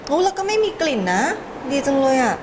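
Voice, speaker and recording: A woman co-hosting a TV shopping show, chatty and quick to chime in. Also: high-pitched, lively intonation, reverberant, in a large hall, noisy background. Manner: chatty, quick agreeing interjections. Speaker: co-host. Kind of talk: TV shopping chat. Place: TV studio.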